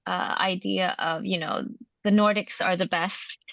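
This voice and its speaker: A woman, a guest anthropologist giving thoughtful academic answers in an interview, pausing often with many hesitations. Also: lowish voice, steady tone, gravelly, fairly bright tone, dry recording. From Sweden. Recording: dull muffled sound.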